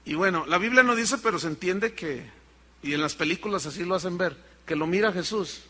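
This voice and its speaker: Bright, high-pitched preacher. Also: male voice, a little fast, in a large hall. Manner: emphatic, asks the congregation rhetorical questions. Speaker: pastor. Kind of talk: sermon.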